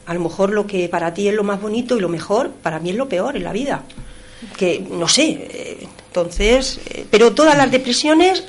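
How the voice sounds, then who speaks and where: Expressive middle-aged woman on radio. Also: mid-range voice, normal speed. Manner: expressive, emphatic exclamations and laughter. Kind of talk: radio talk-show discussion. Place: radio studio.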